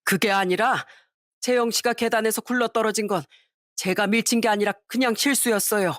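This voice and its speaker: A woman's voice: on the high side, brisk, fairly bright tone, no echo, clean studio sound, lightly acted. A woman voicing a pushy older male office boss who wheedles and makes excuses. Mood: pleading.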